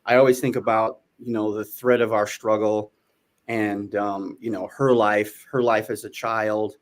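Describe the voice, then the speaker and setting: A man's voice: on the low side, little pitch movement, measured pace. A middle-aged man from New York, born in Jamaica, talking casually and reflectively as an interview guest. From born in Jamaica, raised in New York from age four. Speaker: interview guest, former news anchor.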